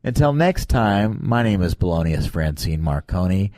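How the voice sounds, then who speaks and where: A man hosting a podcast in casual, joking banter, talking in a meandering, halting way on a close mic. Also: sits low, sing-song, a little mellow, no room sound. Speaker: podcast host.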